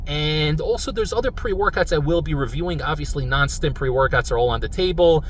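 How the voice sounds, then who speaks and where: Mid-30s guy vlogging while he drives, kinda far from the mic, road noise loud behind him. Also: on the high side, a little fast. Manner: rambling, earnest, says "guys" often. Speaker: supplement review channel host. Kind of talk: casual vlog talk to viewers. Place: in a car while driving. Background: car and traffic noise.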